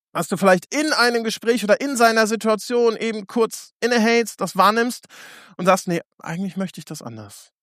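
A man's voice: high-pitched, a bit bright, no room sound, studio quality. A man preaching a sermon in an earnest tone. He speaks straight to his listeners with rhetorical questions and sometimes stumbles and restarts his words.

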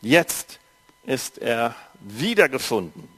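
A man slowly reading a Bible story aloud and preaching on it, giving the quoted voices some life, then turning to reflective, conversational asides. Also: mid-range voice, husky. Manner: slow, measured reading with lively quoted speech.

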